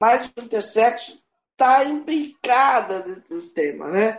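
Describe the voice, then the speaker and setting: This man's voice sits extremely high in pitch and moves with lively intonation. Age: 30s. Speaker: sociologist and doctoral student, intersex activist. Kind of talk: interview.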